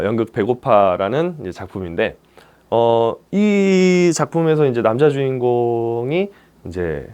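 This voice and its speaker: Animated man telling his story. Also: mid-range voice. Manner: animated storytelling, acts out dialogue. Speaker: stage actor giving a career talk. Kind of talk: career talk to young people.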